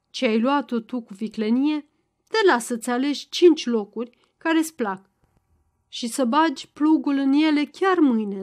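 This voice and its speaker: A woman voicing a stubborn, crafty old peasant father-in-law who speaks in a loud, gruff, mocking way. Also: fairly high pitch, lightly acted.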